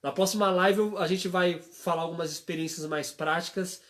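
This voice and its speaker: The voice is a young man's, high-pitched, a bit bright, steady in tone and at normal speed. A church worker, he shares a religious testimony over a live stream, storytelling preacher-style with rhetorical questions and acted-out quoted voices.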